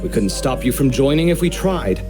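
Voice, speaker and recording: A man's voice: mid-range voice, lively intonation, normal speed, over music, natural voice. An actor playing a fussy, sarcastic young male architect in a video game, bickering in an exasperated way. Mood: earnest.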